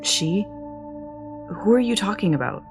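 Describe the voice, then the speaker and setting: A woman's voice: mid-range voice, animated, takes it slowly, music in the background. A woman playing a stubborn, wry young searcher in an audio drama, guarded and battered. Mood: anxious.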